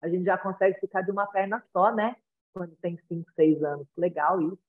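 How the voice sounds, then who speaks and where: A woman's voice: on the low side, fairly quick. A woman with a Brazilian accent, a parenting consultant advising parents in a conversational way, often checking in with tag questions and acting out little exchanges between parent and child. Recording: tinny phone-like line.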